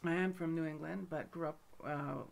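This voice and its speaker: A woman's voice: low voice, steady tone, normal speed, creaky, noisy background. A middle-aged woman from Montreal giving a casual talk to camera as a folk magic teacher, rambling with many fillers and asides. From Montreal, Canada.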